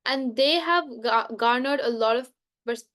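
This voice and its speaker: Woman, slightly high voice, reading a book aloud, frequent self-corrections, dry close sound. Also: measured pace, a bit bright, dry recording. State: coughing now and then. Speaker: book reader. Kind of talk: unscripted bedtime book reading.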